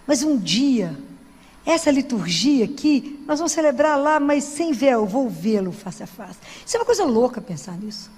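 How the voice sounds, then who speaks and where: A woman's voice: high voice, big pitch swings, normal speed, husky. A middle-aged woman preaching a sermon in a church, telling stories with frequent tag questions. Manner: warm storytelling with frequent "né?" asides. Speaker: Catholic lay preacher. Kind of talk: sermon to a congregation. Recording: long hall reverb.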